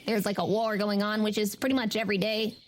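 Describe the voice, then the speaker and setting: A woman's voice: medium pitch, little pitch movement, fast talker, slight background noise, close to an everyday voice. A woman voicing an eager, athletic little hedgehog in a tabletop game, bragging in casual slang and repeating itself. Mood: easygoing, game.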